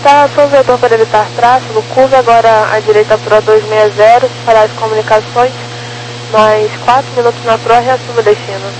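A woman's voice: on the high side, steady tone, fairly quick, darkish tone. A woman working as an air traffic controller, giving clipped instructions over a walkie-talkie style radio. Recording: noisy radio with hum.

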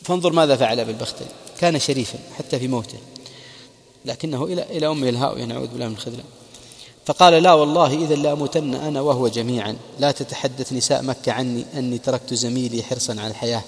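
Man lecturing in a reverberant hall. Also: medium pitch. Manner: recites quoted verse slowly, explains words in dialect. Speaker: religious lecturer. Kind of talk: classroom lecture on prophetic biography.

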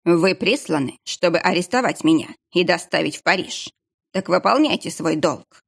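Lady reading a curt proud count, dry, low and gravelly. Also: animated, moderate pace, heavily acted. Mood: defiant.

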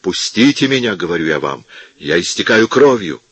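A man's voice: low-pitched, unhurried, husky, no room sound, heavily acted. A man voicing a wounded gypsy who pleads weakly, then cries out to be released. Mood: desperate. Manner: weak then pleading loudly.

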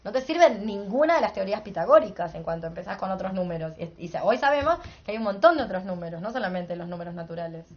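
A woman's voice: lively intonation, fast talker, few pauses. Argentine woman teaching philosophy, muffled. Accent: Rioplatense Spanish. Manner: emphatic, rhetorical, asks "entendés?" often. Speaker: workshop teacher. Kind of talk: informal philosophy class. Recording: muffled low-fidelity recording.

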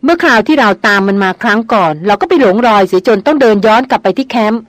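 A woman reading an audiobook, voicing a gruff, hot-tempered male big-game hunter who speaks angrily and sarcastically. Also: fairly high pitch, expressive, quick pace, no echo, lightly acted. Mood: bitter. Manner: angry, sarcastic, nearly shouting.

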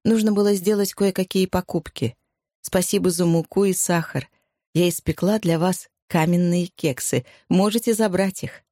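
A woman reading the part of a kind, earnest young woman who keeps a tea room, speaking warmly and sincerely. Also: fairly low pitch, fairly even intonation, moderate pace, no room sound, studio quality, natural voice. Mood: apologetic. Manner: warm, apologetic, sincere.

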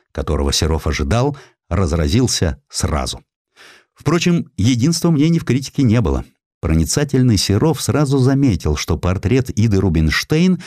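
Deep-voiced man, expressive literary narration. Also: no room sound, studio quality. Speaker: audiobook narrator. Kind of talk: dramatic scripted narration of historical essay. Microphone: close studio microphone.

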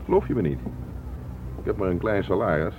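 A man's voice: sits low, expressive, a little fast. An actor playing a talkative middle-aged father in a radio play, insistently questioning and fussing over his son. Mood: defensive, chatty. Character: talkative, probing father eager to know his estranged son. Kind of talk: Dutch radio play acting. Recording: muffled, noisy old radio play recording.

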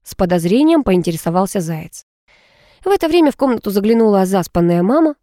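A woman narrating a first-person story in an expressive way. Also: mid-range voice, brisk, no room sound, studio quality. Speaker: audiobook narrator.

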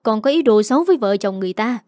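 A woman's voice: on the high side, animated, racing, no room sound, close to an everyday voice. Stern mother, furious, scolding, dry close sound, woman reading aloud. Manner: scolding, sharp rebukes.

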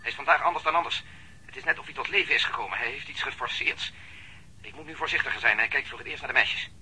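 An actor playing a keen police detective on a suspect's tail, reporting in urgent, clipped phrases in a Dutch radio drama. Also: male voice, medium pitch, quick pace, background noise, natural voice. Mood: urgent, uneasy.

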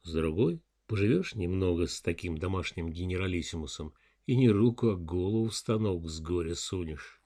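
A dry, sardonic ambulance doctor, terse and ironic, voiced by a man in his own deep register. The voice stays very low and even. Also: normal speed.

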